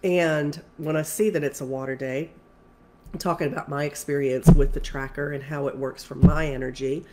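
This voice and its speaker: A woman's voice: deep voice, steady tone, moderate pace, warm tone, slight background noise. A woman spiritual coach who is congested, talking casually and rambling with many fillers and restarts. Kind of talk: casual spiritual talk to camera.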